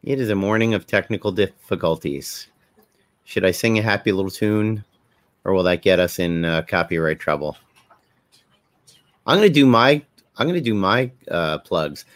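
A man's voice: deep voice, expressive, normal speed, pauses often. A man hosting a casual podcast over a video call, chatting with guests in a wry, lightly joking way. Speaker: podcast host. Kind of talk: casual chat, introducing guests.

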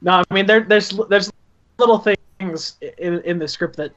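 A man with a Southern drawl talks through his project in a relaxed, chatty way, laughing often and tripping over the starts of words. His voice sits a little high for a man, and the recording sounds dull and lo-fi. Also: a little slow. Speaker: writer and director. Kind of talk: casual commentary chat.

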